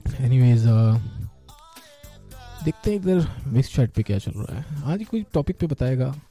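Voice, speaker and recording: A man's voice: medium pitch, sing-song, a little slow, dark tone. A man hosting an online radio show, chatting casually and affectionately with listeners, often laughing and slipping into English. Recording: faint music underneath.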